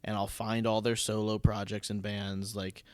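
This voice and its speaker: A man's voice: lowish voice, little pitch movement, normal speed, clear, resonant tone, no room sound. An American man chatting casually as a podcast host, rambling a little and restarting his sentences as he goes. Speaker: podcast host and theatre producer.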